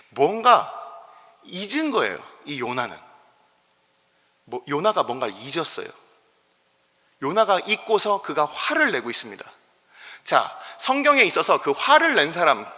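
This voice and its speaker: Animated man preaching in a reverberant church. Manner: animated, acts out quoted complaints with rising pitch and volume. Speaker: pastor. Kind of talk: sermon. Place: church sanctuary. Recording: long church hall reverb.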